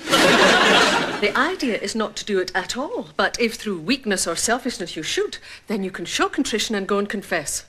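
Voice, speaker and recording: A woman's voice: medium pitch, normal speed, lightly acted. An actress with a Scottish accent playing a chatty, devout Catholic woman who teases and moralizes. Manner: lively, teasing, moralizing. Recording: noisy broadcast sound.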